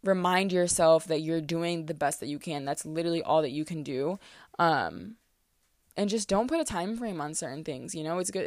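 A woman in her twenties from the US East Coast talks through a solo podcast in a loose, rambling way, full of fillers and restarts. Her voice sits a little low. The sound is dry and close, with no room around it. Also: a little mellow, no echo. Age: 20s. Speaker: podcast host. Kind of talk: casual solo podcast monologue.

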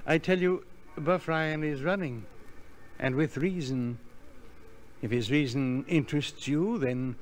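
Slow, courtly skid row philosopher. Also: male voice, on the high side. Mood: earnest warning. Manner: formal, preachy, halting. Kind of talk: old-time radio acting. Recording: old radio recording, faint noise.

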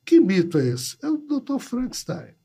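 A man, a podcast guest who explains ideas and tells stories in a relaxed, conversational way. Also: very high voice, moderate pace, creaky, breathy edge. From Natal, Brazil. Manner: storytelling, acts out quoted dialogue. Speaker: podcast guest, writer and ufologist.

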